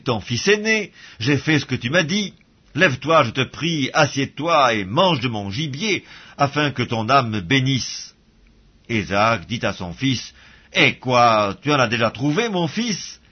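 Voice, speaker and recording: A man, reading scripture aloud in a measured, solemn way. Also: medium pitch, breathy edge, highs cut off. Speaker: Bible reader.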